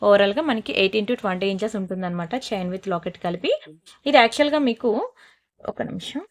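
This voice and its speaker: A woman selling jewellery in a brisk, persuasive sales pitch, slipping into scolding asides. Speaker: jewellery seller.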